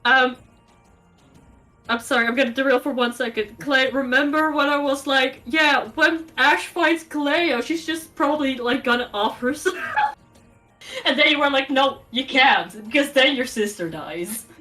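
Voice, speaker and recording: A woman with a high, bright voice chats casually over an online call, rambling along. She drops one thought and starts another mid-sentence, the way players talk between turns of a tabletop game. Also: a little slow, faint music behind. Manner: rambling, breaks off and restarts her thoughts. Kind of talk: casual out-of-game chat on a stream.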